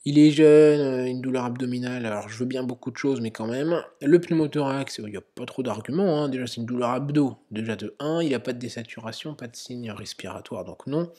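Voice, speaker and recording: A man's voice: medium pitch, fairly quick, hardly any pauses, warm tone. A man, a medical educator, talking through an emergency-medicine quiz in an explanatory way, with many fillers. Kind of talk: narrated quiz lesson.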